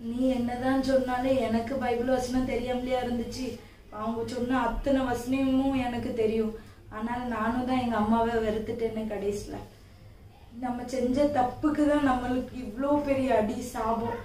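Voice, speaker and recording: Remorseful son played by a woman, pleading, high flat voice, echoey distant room. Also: normal speed, slight background noise, close to an everyday voice. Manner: pleading, apologetic. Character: remorseful grown son begging his mother home.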